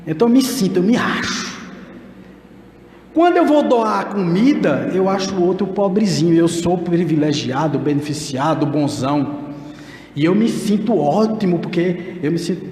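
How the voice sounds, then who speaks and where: A man's voice: sits high, a little mellow, a little hiss or hum. A man voicing a remorseful spiritist leader. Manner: self-mocking, confessional. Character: remorseful male spiritist center leader confessing his pride. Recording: echoey hall with long reverb.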